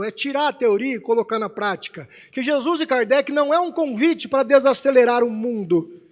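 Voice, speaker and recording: A man at a congress stage, giving a heartfelt lecture built on a personal story, sometimes hushed and sometimes loud. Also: very high-pitched. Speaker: speaker at a Spiritist congress. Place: conference hall stage.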